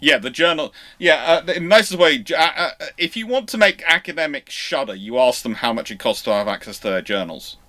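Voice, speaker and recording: A man hosting an unscripted livestream, answering questions in a halting, rambling way with repeated and restarted phrases. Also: on the high side, expressive, sharp tone. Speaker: host of a naval history livestream.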